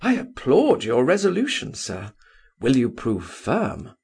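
Man reading proud husky courtly gentleman. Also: mid-range voice, wildly swooping pitch, a little slow, heavily acted. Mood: courteous. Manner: formal, courtly.

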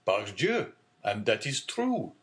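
A man's voice: medium pitch, big pitch swings, normal speed, fairly bright tone. A man voicing a genial, fatherly middle-aged shipowner.

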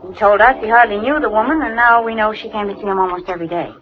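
Mary, a brisk radio-drama sleuth. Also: female voice, mid-range voice. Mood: puzzled. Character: Mary, a brisk, caring young woman and amateur sleuth. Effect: old-time radio drama broadcast. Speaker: detective's companion. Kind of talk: 1940s radio acting. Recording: dull lo-fi vintage broadcast with hiss.

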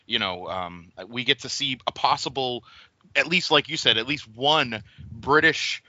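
A man co-hosting a podcast, jokey and quick with asides, in casual chat. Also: mid-range voice, pushed and bright, muffled recording. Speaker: podcast co-host. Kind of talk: casual chat about wrestling.

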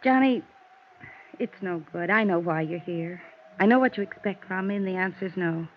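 Actress as tired cagey young mom on old radio, dull hissy broadcast sound. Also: female voice, fairly low pitch, normal speed, lightly acted. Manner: tired, guarded, evasive. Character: weary, guarded young mother hiding from a gangster. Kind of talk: 1950s radio drama acting.

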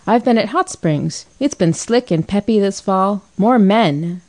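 A woman reading an audiobook, voicing a brash, meddling young woman who gossips in a raised, bright tone. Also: mid-range voice, animated, unhurried. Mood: prying.

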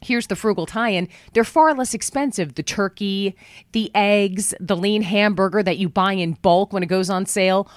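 A woman hosting a talk radio show from a studio, chatting in a folksy, upbeat way, her voice worn low after travel. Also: normal speed, no echo. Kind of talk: talk radio monologue with live ad reads. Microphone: studio microphone.

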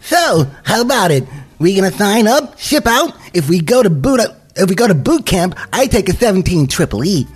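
A man's voice: sing-song, moderate pace, breathy edge, exaggerated voice. A man voicing a frantic, wisecracking male cartoon toon at a script table read. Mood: eager. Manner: high, pleading, comic squeals.

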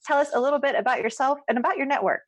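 A woman's voice: high voice, racing, dry recording. A woman hosting a podcast, opening the show and introducing guests in an upbeat, enthusiastic way. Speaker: podcast host. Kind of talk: casual podcast chat.

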